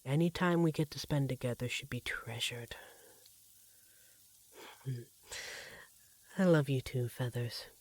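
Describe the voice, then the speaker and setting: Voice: mid-range voice, slow, pauses often, darkish tone, dry recording, natural voice. A performer playing an affectionate, teasing vampire barista in a conversational audio roleplay about domestic life. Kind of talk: ASMR audio roleplay, one-sided domestic dialogue. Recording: clear background noise, sizzling frying pan.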